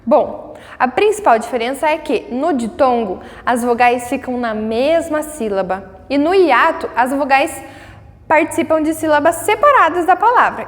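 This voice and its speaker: A Brazilian woman teaching a grammar lesson, patiently checking in with her students and sounding out words slowly syllable by syllable. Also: high voice, fairly bright tone, in a large hall. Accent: Brazilian Portuguese. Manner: patient, checks in often with tags.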